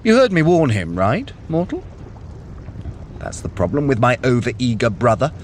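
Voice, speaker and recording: An actor playing a cunning, sardonic trickster god in an audio adventure, with a wry, condescending, theatrical manner. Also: male voice, medium pitch, wildly swooping pitch, moderate pace, a little hiss or hum. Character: Loki, cunning, sardonic male trickster god, brother of Thor. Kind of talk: scripted audio adventure acting.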